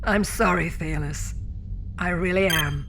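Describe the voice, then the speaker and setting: An actress playing a weary but composed starship captain in a science fiction audio drama, speaking in a measured way. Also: female voice, lowish voice, vocal fry, a bit bright, slight background noise. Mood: somber.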